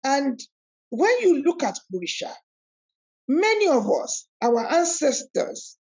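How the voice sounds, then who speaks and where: Over a video call, a woman leading an online spiritual talk speaks emphatically like a preacher, repeating key words and moving animatedly between English and Yoruba. Her high voice has vocal fry and a slightly mellow quality, with the highs cut off.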